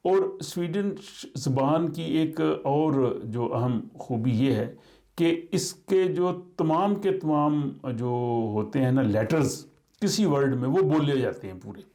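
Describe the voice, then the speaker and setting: Middle-aged male teacher, warm and dark tone, measured delivery with hesitations. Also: on the high side, lively intonation. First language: Urdu. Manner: slow, measured, with frequent hesitations. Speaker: language teacher. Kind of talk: explanatory language lesson.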